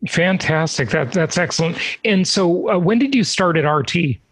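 A man's voice: fairly high pitch, lively intonation, moderate pace, a bit bright, slightly rough. A man hosting an interview, offering short encouraging interjections and follow-up questions. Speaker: podcast host. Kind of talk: casual interview.

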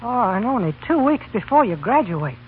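A man's voice: very high voice, very animated, moderate pace. A skeptical, wisecracking young American college man in a 1930s radio comedy. He delivers dry sarcasm and mock-formal quips. The sound is narrow and faintly noisy, like an old broadcast.

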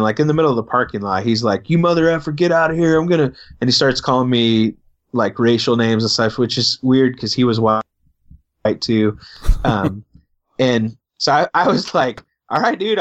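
Male pastor, casual storyteller, halting delivery, average pitch, dull lo-fi recording. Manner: halting, repeats words as he talks.

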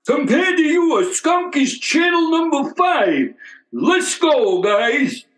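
A man acts an indignant, sarcastic working-class pal in an old-time radio comedy. His high voice swoops with blunt, ungrammatical jabs, in an echoing room. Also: very animated, takes it slowly, a bit bright, soft background music, exaggerated voice.

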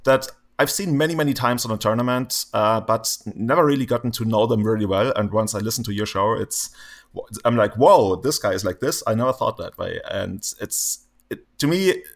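A man's voice: fairly low pitch, normal speed, creaky. A man hosting a podcast, chatting casually in a friendly way, often laughing and stumbling over his words. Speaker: podcast host. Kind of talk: casual interview chat.

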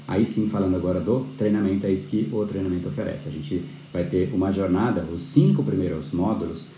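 Dark-voiced man teaching live. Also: lowish voice, echoey room, slight background noise, poor audio. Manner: animated, frequent tag questions, restarts. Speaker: persuasion course instructor. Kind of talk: live-streamed lecture.

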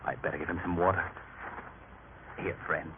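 An actor in a radio drama playing a kindly, gentle rescuer with a hushed, soothing manner. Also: male voice, rumbling low, steady tone, normal speed. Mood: gentle concern. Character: kindly, gentle Samaritan rescuer tending a wounded man. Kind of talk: old-time radio drama acting. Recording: tinny radio recording, clear hiss.

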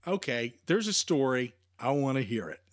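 A man hosting a sports podcast, friendly, stammering a little and clearing his throat often. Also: medium pitch, big pitch swings, normal speed, no echo, studio quality. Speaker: podcast host. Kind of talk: casual interview chat.

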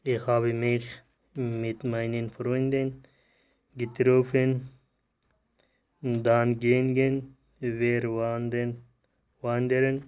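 Slow, halting man from Afghanistan. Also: medium pitch, little pitch movement, darkish tone, clean tone. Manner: hesitant, halting, many fillers and restarts. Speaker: radio show participant. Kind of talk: halting spoken account. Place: radio studio.

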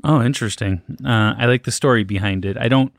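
A man's voice: medium pitch, fast talker, creaky, no room sound, studio quality. A man co-hosting a casual podcast, thinking aloud with lots of fillers and restarts. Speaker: podcast co-host. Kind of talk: casual chat.

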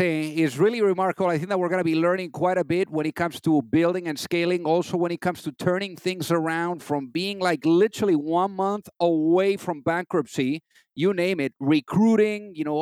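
A man's voice: sits high, darkish tone, smooth, no room sound. Chatty male podcast host, dry close mic. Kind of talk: interview podcast.

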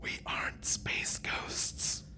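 A man voicing ghostly future selves in an unearthly, breathy, theatrical voice for a comedy sci-fi audio drama. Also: very high voice, expressive, slow pace, sharp tone, a little hiss or hum, exaggerated voice. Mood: urgent, eerie.

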